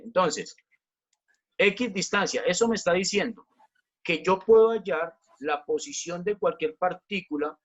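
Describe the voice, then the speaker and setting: A man teaching a physics class online, explaining step by step, repeating key points and asking the students questions. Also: high voice.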